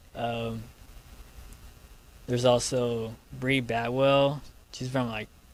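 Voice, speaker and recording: A man with a Texan accent, medium pitch, monotone and flat, at a very slow pace with long, frequent pauses. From Houston, Texas. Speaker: podcast host. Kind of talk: casual interview chat.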